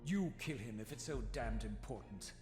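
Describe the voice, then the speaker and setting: An actor playing a proud, scornful undead spirit of vengeance in a video game, speaking with sardonic, theatrical precision. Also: male voice, mid-range voice, lively intonation, moderate pace, natural voice. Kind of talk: dramatic video game voice acting. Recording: echoey long reverb, game music behind.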